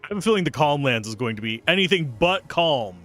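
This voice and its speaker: A young man commenting casually on a game he is streaming, chatty and jokey, with a slightly raspy voice. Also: a little high, sing-song, fast, fairly bright tone, faint music behind. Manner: chatty, jokey, reacts aloud.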